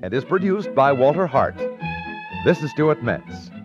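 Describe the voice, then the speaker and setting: Animated vintage radio announcer man over music. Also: a little high, a little slow, muffled recording. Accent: American. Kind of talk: 1950s radio closing announcement.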